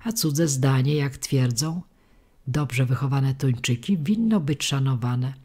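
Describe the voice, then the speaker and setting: A woman voicing a hoarse, philosophical male tuna who speaks with resigned dignity in a storybook reading. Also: very deep voice, slow, dark tone, exaggerated voice.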